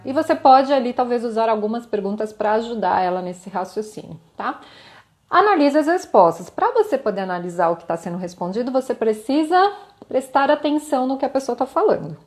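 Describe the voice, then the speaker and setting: A woman with a Brazilian Portuguese accent teaches in a live-streamed lesson, her voice sitting a little high. She explains things conversationally and often checks in with her listeners through tag questions. Light laughs slip in between her points as she answers viewer comments. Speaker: communication instructor.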